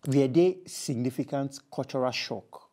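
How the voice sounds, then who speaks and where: Community TV interview host, mellow mid-pitched voice, conversational, echoes the guest. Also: unhurried. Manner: chatty, repeats and echoes the guest's words. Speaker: show host. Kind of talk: interview hosting. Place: community TV studio.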